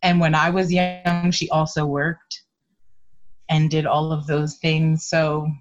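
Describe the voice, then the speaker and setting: A middle-aged woman, a guest on an interview show, talking in a hesitant, thoughtful way with many pauses and ums. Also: low voice, flat delivery, lo-fi sound. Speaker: guest, activist. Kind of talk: conversational interview.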